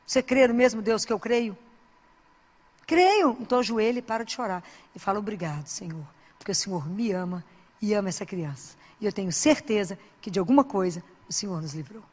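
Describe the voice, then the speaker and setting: A woman's voice: on the high side, in a large hall. A woman who is a Christian speaker and doctor, giving an informal sermon full of anecdotes in an earnest, exhorting, conversational way.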